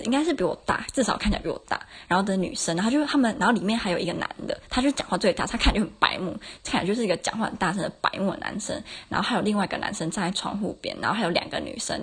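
A slightly rough, mid-range female voice belongs to a podcast host in her 20s. Alone on the mic, she tells chatty, self-mocking stories punctuated by plenty of laughter.

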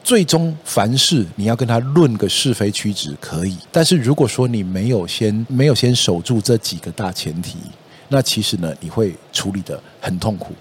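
Low-voiced man explaining in a Taiwanese accent. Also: moderate pace, a little hiss or hum. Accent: Taiwanese Mandarin. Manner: lively storytelling, acts out quoted voices, many "哦" and "然后呢" fillers. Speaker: podcast host. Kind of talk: casual explanatory podcast talk.

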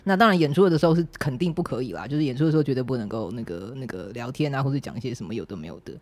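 A woman with a Taiwanese Mandarin accent hosting a podcast, explaining things in an animated, conversational way. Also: rumbling low, very fast. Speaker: podcast host. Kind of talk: casual explanatory podcast chat.

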